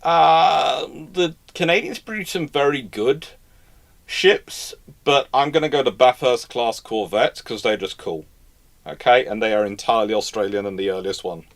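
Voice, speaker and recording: This man's voice is medium in pitch and creaky, and he talks at a normal speed. As host of a live question-and-answer session, he chats informally and knowledgeably about history in reply to the audience, frequently starting over and repeating himself.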